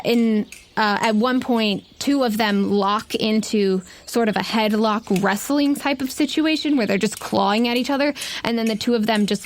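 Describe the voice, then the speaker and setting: Woman running a tabletop rpg, makes up descriptions as she goes, chatty, bit of noise n clicks on the recording. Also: medium pitch. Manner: conversational, improvised descriptions. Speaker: game master. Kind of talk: narrating a tabletop roleplaying game.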